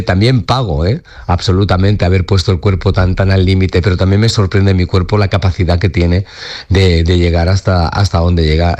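Deep-voiced man in his fifties, earnest. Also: a little mellow. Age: 50s. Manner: earnest, with many repeated words and tag questions. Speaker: dancer and dance company director. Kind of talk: radio interview.

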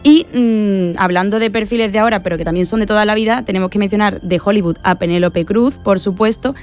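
A woman's voice: medium pitch, brisk, darkish tone, soft background music. A woman co-hosting a radio show, effusive and gushing. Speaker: radio co-host. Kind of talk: radio chat.

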